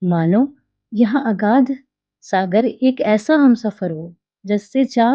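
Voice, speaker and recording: A soft-spoken woman talks with a fairly high pitch and lively intonation. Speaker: travel vlogger. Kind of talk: scripted narration. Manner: slow.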